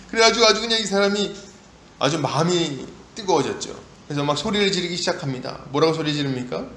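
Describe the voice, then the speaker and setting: A man's voice: on the high side, fast. A male pastor preaching a sermon, telling the story vividly and asking rhetorical questions. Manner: animated storytelling, acts out voices, rhetorical questions. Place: church sanctuary. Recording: echoey church room, faint hiss.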